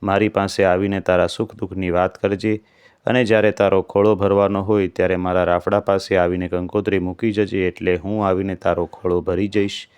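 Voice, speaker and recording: A man voicing a kind, motherly female cobra goddess in a devotional storybook, speaking gently and soothingly in a low, flat tone. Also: brisk, clear, resonant tone, no echo, lightly acted. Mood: consoling.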